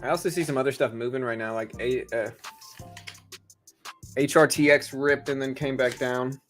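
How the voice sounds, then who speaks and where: A man's voice: mid-range voice, steady tone, moderate pace, fairly bright tone, faint music behind. A man hosting a livestream, chatting casually and informally, speaking directly to his viewers. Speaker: livestream host.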